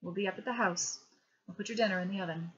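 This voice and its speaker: A woman voicing a stern, short-tempered father who scolds his young son and rises to shouting. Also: medium pitch, quick pace, dull audio, lightly acted. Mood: subdued.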